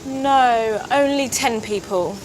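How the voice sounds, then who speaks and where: A woman playing a polite, patient gym receptionist in a slow scripted lesson dialogue. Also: on the high side, background noise.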